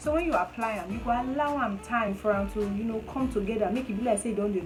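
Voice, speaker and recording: A woman at a very fast pace and fairly high pitch, with ordinary pitch variation, audible room echo and music in the background. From Nigeria. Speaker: beauty vlogger, makeup artist. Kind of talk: makeup tutorial in Nigerian Pidgin. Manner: animated, playful.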